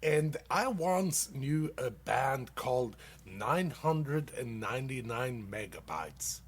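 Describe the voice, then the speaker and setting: A man from Sweden, hosting a dad-joke comedy show and laughing loudly at his own punchlines. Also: medium pitch, big pitch swings, slow pace, husky. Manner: casual, calls listeners dude. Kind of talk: dad-joke stand-up on internet radio.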